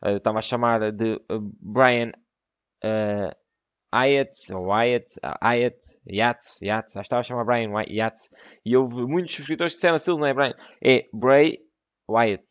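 A young man with a European Portuguese accent doing excitable let's play commentary, breaking into loud exclamations. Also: medium pitch, a little slow, dry recording, lo-fi sound. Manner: excitable, bursts into exclamations and laughter. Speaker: gaming YouTuber.

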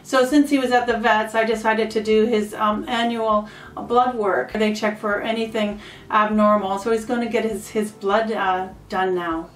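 A woman's voice: mid-range voice, fairly even intonation, normal speed, echoey room, recorded from a distance, slight background noise. A middle-aged woman, a pet vlogger explaining things in a casual, chatty way.

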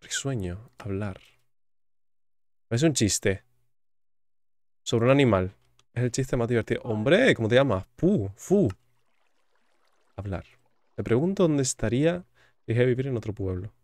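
This gaming commentary comes from a man with a Spain Spanish accent who reads the game's text aloud and keeps up a chatty, joking running commentary as a YouTuber. His mid-range voice is expressive and darkish, moving at a normal speed with frequent pauses, recorded without echo.

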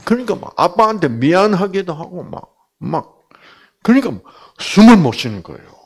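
An older man giving a Bible lecture, telling a family story and acting out the quoted voices with big swings. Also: moderate pace. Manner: animated, acts out quotes with big pitch jumps.

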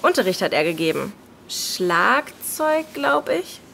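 A woman's voice: mid-range voice, very animated, slow, creaky, fairly bright tone, slight background noise, heavily acted. An actress playing an uneasy woman being questioned by police in an audio drama, speaking colloquially and hesitantly. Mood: unguarded. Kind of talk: German radio play dialogue.

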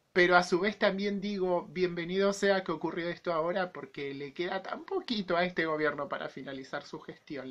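On a lo-fi recording, a forty-something YouTube vlogger with an Argentine accent talks to camera about his personal views. He has a fairly high, slightly bright voice, affected by an infection he hasn't fully shaken.

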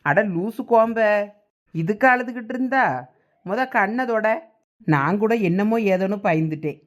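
A woman's voice: mid-range voice, measured pace, close to an everyday voice. A woman playing a blunt, fond elder village daughter who teases in a Thoothukudi Tamil accent. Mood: teasing.

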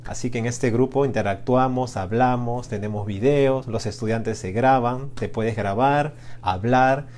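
A man's voice: medium pitch, unhurried, hardly any pauses, a little mellow. Male Spanish-teacher host, encouraging, hesitant with fillers, slight background hiss. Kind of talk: live-streamed language lesson chat.

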